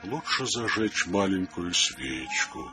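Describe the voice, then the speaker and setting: Very deep, slow wind spirit. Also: male voice, sing-song, heavily acted. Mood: gently persuasive. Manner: hushed, slow, drawn-out, enigmatic. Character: mysterious male dream wind spirit, soothing and enigmatic. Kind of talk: Russian radio drama acting. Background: music.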